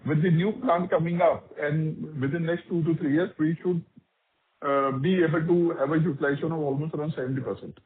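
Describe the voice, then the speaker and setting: A man's voice: a little high, fairly even intonation, fairly quick, slightly rough. A man with an Indian accent, speaking as a company executive and explaining business matters on a call. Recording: narrow phone line, radio-like.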